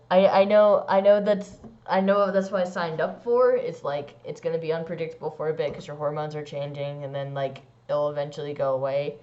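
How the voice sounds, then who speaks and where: A young trans man vlogging a casual personal update, rambling with lots of "like" and "um" and swooping into squeaky high bits. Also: a little mellow. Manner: rambling, many likes and ums. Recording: dull lo-fi sound.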